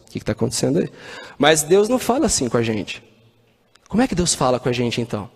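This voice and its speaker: A man with a Brazilian accent giving a spiritist talk, telling stories and asking the audience rhetorical questions. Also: on the high side. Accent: Brazilian Portuguese. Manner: storytelling, acts out quoted voices, rhetorical questions. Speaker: spiritist lecturer. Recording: long hall reverb.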